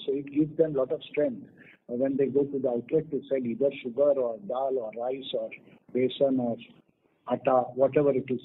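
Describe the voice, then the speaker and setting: Husky executive on a phone line. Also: male voice, mid-range voice. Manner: halting, many fillers. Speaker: company executive. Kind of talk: earnings call answers.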